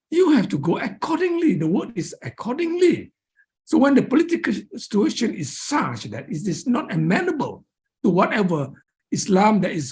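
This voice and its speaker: Male academic lecturer, Malaysian accent; very animated intonation, emphatic, leans on repeated key phrases. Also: high voice. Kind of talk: academic lecture and question answering.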